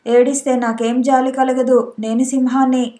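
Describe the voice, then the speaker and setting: A woman's voice: high-pitched, level tone, normal speed, warm tone, roomy sound, natural voice. A woman voicing a menacing, hungry lion in a nightmare in a storybook reading, with a taunting, threatening manner. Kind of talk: audiobook character voice.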